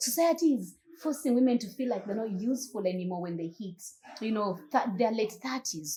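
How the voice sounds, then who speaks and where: A woman's fairly high voice, in an ordinary speaking voice, moves along at a fairly quick pace and carries lively intonation. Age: 40s. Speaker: healing retreat host. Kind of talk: interview questions.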